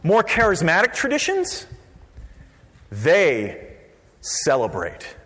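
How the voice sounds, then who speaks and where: Male pastor, conversational sermon, very expressive pitch, lots of room reverb. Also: slow. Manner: conversational, lively, drops to quiet for emphasis. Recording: long reverb of a large hall.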